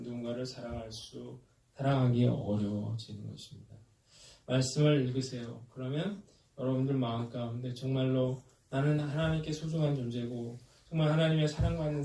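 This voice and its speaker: A man's voice: a little high, creaky, a little mellow. A male pastor preaching a sermon, talking in a conversational way with many hesitations and leading his congregation in call-and-response. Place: church sanctuary. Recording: roomy church hall, mic at a distance, faint noise.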